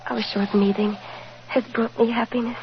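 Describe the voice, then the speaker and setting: An actress playing a dying gypsy fortune-teller in 1940s radio drama, solemn and tender in halting short phrases, on a dull, noisy old recording. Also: female voice, a little high, flat delivery, natural voice. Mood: weak, tender.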